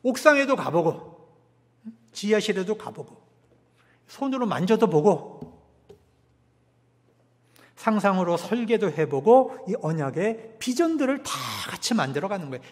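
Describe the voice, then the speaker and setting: A male pastor preaching a sermon, emphatic, swinging from loud peaks to hushed drops. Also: high voice. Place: church sanctuary. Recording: long church hall reverb.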